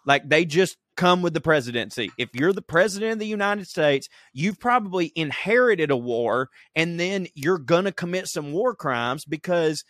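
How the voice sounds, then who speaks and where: A man's voice: fairly high pitch, expressive, moderate pace, few pauses, a bit bright, dry recording, studio quality. Profane rambling man on a podcast. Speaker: podcast co-host. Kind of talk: casual comedic chat. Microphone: remote recording.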